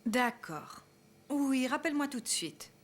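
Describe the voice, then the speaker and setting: A woman playing a gentle, patient young mother in a children's cartoon dub. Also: high voice, animated, a little slow. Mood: kindly. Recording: music behind the dialogue.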